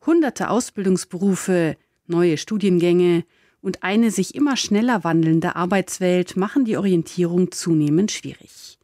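A woman presenting a church radio program, announcing in a measured, formal way. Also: fairly low pitch, warm tone, no echo, clean studio sound.

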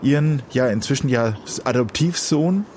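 A man hosting a radio call-in show, calm and conversational as he reads messages and talks to callers. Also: mid-range voice, moderate pace, slight background noise. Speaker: radio host.

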